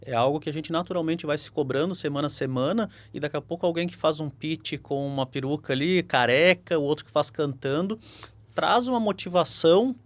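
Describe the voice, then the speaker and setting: A man with a Brazilian Portuguese accent, speaking as an interview guest. His voice sits somewhat high for a man. He talks in a measured, reflective way and agrees softly with his host. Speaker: guest lawyer. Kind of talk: conversational interview.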